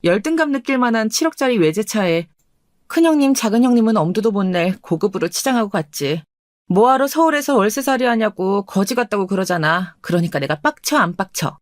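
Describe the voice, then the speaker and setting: A woman voicing a calm, confident and teasing wealthy wife in a dramatized radio story. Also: mid-range voice, brisk, no echo, studio quality, close to an everyday voice. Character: rich, self-assured young wife.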